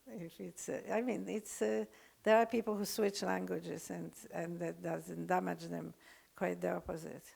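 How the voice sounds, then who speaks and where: An older woman with a Polish accent, lecturing unscripted, halting often with fillers and restarts. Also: on the low side, flat delivery, gravelly, darkish tone, husky. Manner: hesitant, many fillers and restarts.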